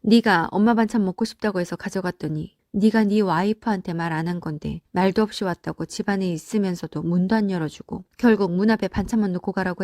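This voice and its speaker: A woman's voice: medium pitch, darkish tone, dry recording, studio quality, lightly acted. A woman voicing a hurt but firm older mother in a story, speaking with reproach and resolve.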